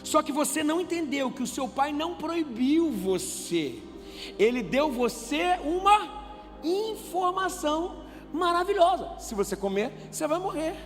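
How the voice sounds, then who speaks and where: A man with a Brazilian Portuguese accent preaching a sermon, animated and conversational, asking the congregation rhetorical questions. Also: extremely high pitch, a little slow. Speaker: pastor. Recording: reverberant church hall with faint music.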